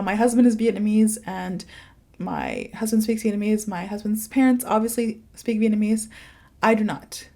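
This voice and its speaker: A woman's voice: medium pitch, warm tone. A woman with a mid-range voice talks casually as a podcast host and teacher. Her delivery is informal and chatty, leaning on emphasis and giggly asides as she motivates her listeners. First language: English.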